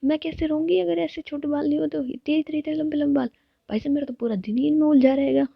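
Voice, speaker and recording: A woman voicing a playful tomboyish young woman who coaxes and pleads with her lover, in a husky, breathy whispered role-play. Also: mid-range voice, fairly quick, dry recording, lo-fi sound.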